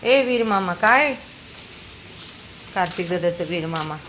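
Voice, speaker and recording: Out on a sunny street with her dog, a woman who vlogs about her pets talks casually in a lowish, expressive voice, taking her time. Amid background noise, she coaxes a toddler and the dogs in a sing-song tone.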